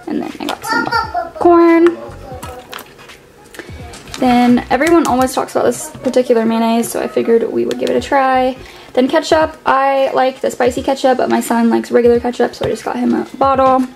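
A woman's voice: sits high, moderate pace, vocal fry. A young woman at home showing her grocery haul on a handheld camera, talking casually with lots of "like" and "um". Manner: relaxed and chatty, many fillers like "like" and "um". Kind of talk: casual chat. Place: home, indoors, at a table. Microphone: camera held overhead, point-of-view shot. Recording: home video with music underneath. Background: background music.

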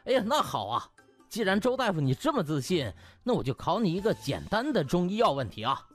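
A man voicing a smug young male trainee doctor in an audiobook, teasing and mock-polite with drawn-out interjections. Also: high-pitched, big pitch swings. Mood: mocking, gleeful. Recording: music bed behind.

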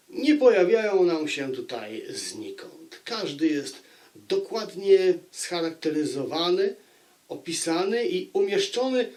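A man with a slightly high voice talks through a book review on his own. He speaks very slowly and deliberately, often repeating a phrase to drive it home. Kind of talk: unscripted book review monologue.

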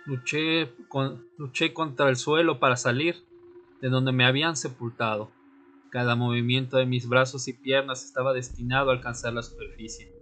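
A man's voice: mid-range voice, bright, forceful tone. Solemn man playing a tormented male vampire narrator, music behind. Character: Fernando, tormented newly turned male vampire recounting his death. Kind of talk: dramatic first-person audio drama narration. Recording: music bed under the voice.

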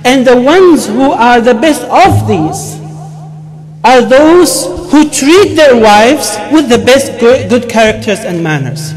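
A man in his thirties with an Arabic accent preaches as an imam, emphatic and halting, repeating words as he goes. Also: extremely high pitch, expressive, music in the background, rough recording. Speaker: imam giving a Friday sermon. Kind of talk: sermon with Arabic recitation and English explanation. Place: mosque, speaking from a wooden pulpit.

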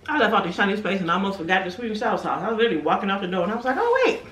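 A woman hosting a mukbang, talking casually while chewing her food, in a relaxed, drawling manner. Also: mid-range voice, very fast. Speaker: mukbang host. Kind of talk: casual chat while eating. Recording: echoey room, a bit far from the mic.

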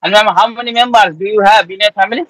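High-voiced Indian man, dry sound. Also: steady tone, quick pace, a bit bright, no echo. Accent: Indian English. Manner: polite, repeats "yes, yes", addresses guest as ma'am. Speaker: host. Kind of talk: interview for English speaking practice. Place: indoor room by a window. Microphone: video call webcam.

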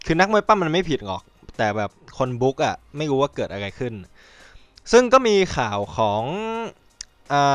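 A man hosting a podcast in casual chat, rambling and excitable, swearing freely and acting out quotes. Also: medium pitch, smooth, dry recording. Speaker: podcast host.

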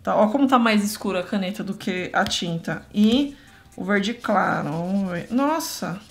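A woman's voice: medium pitch, expressive, moderate pace, creaky, soft background music. A woman, chatting casually to viewers as she tests art markers close up. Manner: chatty, talks to viewers while drawing. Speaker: art youtuber testing markers.

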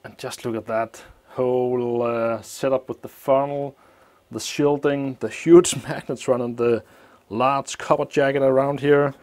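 A man explaining a teardown of an old appliance at a workshop bench, thinking aloud with many pauses, his voice slightly muffled by a mask. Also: medium pitch, steady tone, a little mellow. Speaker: electronics teardown host. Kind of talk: hands-on technical walkthrough.

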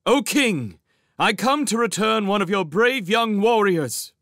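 A man's voice: lowish voice, expressive, measured pace, no room sound, clean studio sound. A man voicing a brave young mouse in an audiobook story, speaking in an earnest, formal and courtly manner. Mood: loud, courtly.

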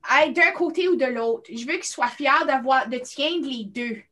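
A woman with a Franco-Ontarian accent hosts a casual video-call discussion, often murmuring soft agreement. Her voice sits a bit higher than average. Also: normal speed. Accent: Franco-Ontarian French. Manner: frequent soft backchannel agreement. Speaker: host.

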